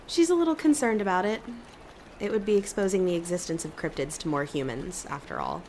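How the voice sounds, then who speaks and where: A young woman cryptid in an audio drama, on the low side in pitch. She is anxious yet wry and teasing, speaking naturally over faint ambient noise. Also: very animated, brisk, darkish tone. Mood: worried. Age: young adult. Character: worried young woman cryptid with emotion-reading power, wryly teasing.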